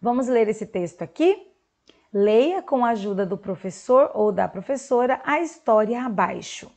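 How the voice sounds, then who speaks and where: A woman teaching a recorded lesson to young children in Brazilian Portuguese, speaking clearly and drawing out words for them. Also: a little high, lively intonation, moderate pace, darkish tone. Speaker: primary school teacher.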